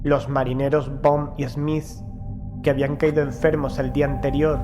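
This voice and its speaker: A man's voice: a little high, little pitch movement, moderate pace, dull audio. Man narrating horror over music. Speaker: audiobook narrator. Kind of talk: scripted first-person horror story narration. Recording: music behind the voice. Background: background music.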